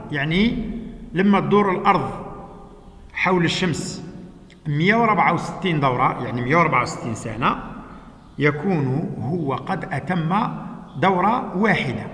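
A man teaching a lesson, working through exercises step by step with patient explanations and frequent "uh" pauses. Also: a little high, fairly bright tone. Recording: echoey room with long reverb.

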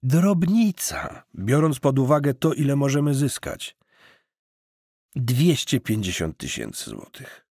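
A man acts out a pushy, smooth-talking hustler in an audiobook. He is emphatic and coaxing like a salesman, with lively swoops of pitch and a rough-edged voice, recorded very dry. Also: takes it slowly, no room sound, full character voice. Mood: breezy, persuasive. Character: smooth-talking eager hustler cousin, persuasive adult man.

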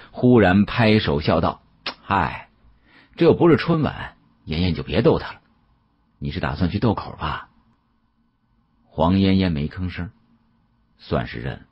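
A man's voice: low-pitched, slightly rough, no room sound. A man narrating a novel in the first person as an audiobook, in a dramatic, colloquial storytelling style. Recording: muffled, dull lo-fi audio.

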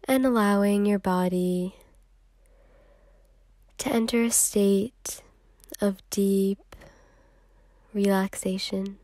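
Slow, mellow woman guiding meditation. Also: mid-range voice, steady tone, no echo, clean studio sound. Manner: slow, soothing, unhurried with long pauses. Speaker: meditation guide. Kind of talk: guided meditation.

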